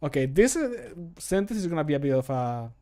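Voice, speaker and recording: A man's voice: on the high side, very animated, brisk, mellow. Casual man chatting on a livestream. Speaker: streamer recording mod voicelines. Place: small home room. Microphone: close studio microphone.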